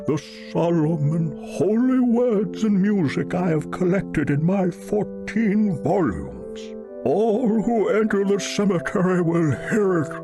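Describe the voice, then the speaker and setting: High, slow, pompous old gentleman. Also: full character voice. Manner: grave, pompous, drawn-out delivery. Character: solemn, grandiose rich old man planning his tomb.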